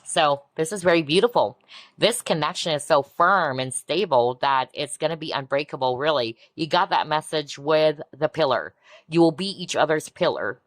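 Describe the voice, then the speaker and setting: A woman giving a collective tarot reading in a soft, reassuring way, often breaking into amazed exclamations. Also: low voice, animated, normal speed, dry recording. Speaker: tarot reader. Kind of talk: pick-a-card tarot reading.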